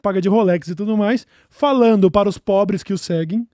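Brazilian male host, high but mellow voice, dry close mic, blunt sarcastic banter. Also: brisk, no room sound. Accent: Brazilian Portuguese. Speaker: podcast host. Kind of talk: casual comedic commentary.

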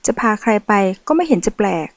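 A woman's voice: fast talker, no room sound, close to an everyday voice. A woman reading a novel aloud, voicing a sassy, boastful transgender woman who manages loans at a bank. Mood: teasing. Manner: brash, teasing, boastful.

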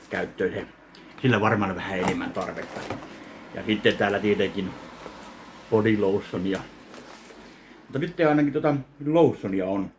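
A man in his thirties opening fan mail in his kitchen in a casual vlog, commenting slowly with wry self-mockery into a webcam. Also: on the low side, slight background noise. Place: home kitchen, indoors. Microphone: webcam in front of him.

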